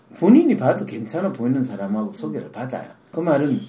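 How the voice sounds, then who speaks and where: Audible room echo surrounds a voice moving at a fairly quick pace with very wide pitch swings. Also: man. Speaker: psychology counseling show host. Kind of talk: casual counseling talk show discussion. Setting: studio. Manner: animated, teasing. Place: studio.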